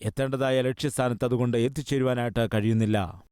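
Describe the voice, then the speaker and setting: Smooth-voiced male preacher asking questions. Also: medium pitch, steady tone, fast, a little mellow, no room sound, studio quality. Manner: asks the listeners question after question; earnest, pleading appeals. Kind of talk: sermon.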